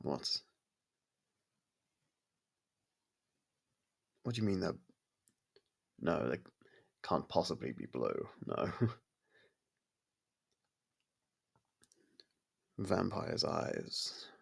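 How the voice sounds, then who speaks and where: A man playing a courteous, brooding vampire in an intimate ASMR audio roleplay, with a gravelly, husky voice and halting, hushed delivery. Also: deep voice, big pitch swings, exaggerated voice. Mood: disbelieving, flustered. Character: brooding male vampire, courteous, softened toward a human. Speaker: voice actor.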